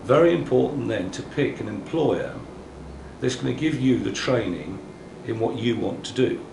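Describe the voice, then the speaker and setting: A man's voice: medium pitch, expressive, normal speed, creaky, background noise. A middle-aged man who runs a building company, giving plainspoken career advice to young people. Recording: roomy, with music underneath.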